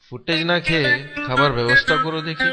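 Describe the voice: A cartoonish character voice with a bright, sharp tone makes big pitch swings at a fairly quick pace. Faint music plays in the background. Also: man, fairly high pitch for a man.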